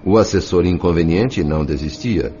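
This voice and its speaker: An actor playing a solemn, observant narrator in a radio drama, delivering scripted dramatic narration with a Brazilian accent. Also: male voice, deep voice, normal speed, dark tone, slight background noise, lightly acted. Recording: dull lo-fi audio, faint music behind. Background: faint music.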